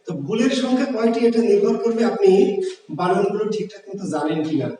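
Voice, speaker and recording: A man with a high, mellow voice teaches a lesson, stopping to repeat key words and sometimes falling into a sing-song. He sounds set back from the mic in a room with a long, ringing echo. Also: expressive, fast, slight background noise. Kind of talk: online Bangla grammar lecture. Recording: roomy echo with long reverb, voice far from the mic.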